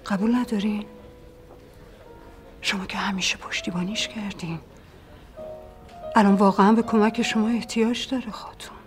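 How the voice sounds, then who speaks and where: An actress playing an earnest young woman in a period TV drama, pleading softly and urgently. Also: mid-range voice, fairly even intonation, long pauses, faint music behind, natural voice. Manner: earnest, pleading, soft-spoken at times.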